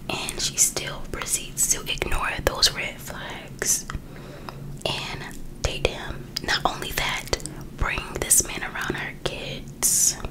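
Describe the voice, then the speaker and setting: An American woman whispering an ASMR book reading in a breathy, hushed voice, now and then dropping in casual asides. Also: poor audio. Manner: slow, hushed, with informal personal asides. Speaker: ASMR host reading a true crime book.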